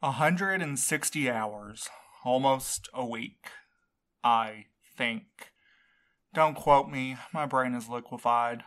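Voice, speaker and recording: A man acts a sleep-deprived young male courier in a fiction podcast. He grumbles and snipes in a mid-pitched voice, sounding snarky and worn out. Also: slow pace, a bit bright. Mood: weary, joking. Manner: snarky, complaining. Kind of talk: audio fiction podcast acting.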